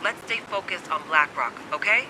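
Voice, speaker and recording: A male actor as a guarded game survivor on edge, with a fairly high voice. The delivery is blunt, cynical and urgent. A clear low rumble runs under the speech. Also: lively intonation, normal speed, natural voice. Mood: agitated. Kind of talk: dramatic video game acting.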